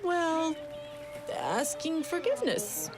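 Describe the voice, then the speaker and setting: A woman's voice: very high voice, very animated, slow, over music, exaggerated voice. An actress playing a scheming businesswoman villain in a children's radio drama, affected and theatrical, falsely sweet and haughty. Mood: pleading.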